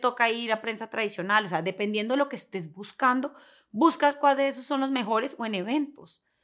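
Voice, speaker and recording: A woman's high-pitched voice with ordinary pitch variation at a fairly quick pace, on a very clean recording with a silent background. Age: 40s. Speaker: public relations entrepreneur. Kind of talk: interview.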